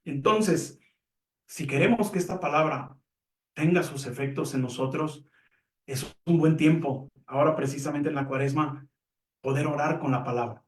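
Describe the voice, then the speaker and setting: A man giving a calm, measured religious lesson, explaining with simple examples. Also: fairly high pitch. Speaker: Catholic teacher on a program. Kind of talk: reflective religious teaching. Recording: echoey room, mic at a distance.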